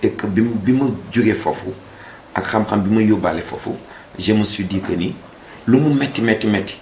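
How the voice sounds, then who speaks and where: Deep-voiced man, earnest guest. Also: fairly quick, darkish tone. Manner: earnest, mixing French and Wolof. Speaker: singer and guest. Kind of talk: casual interview chat. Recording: echoey room with faint noise.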